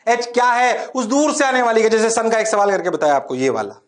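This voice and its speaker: A man's voice: high-pitched, animated, fairly quick. A male physics teacher giving an exam-prep lecture, coaxing students in a playful, sing-song way and mixing English terms into his speech.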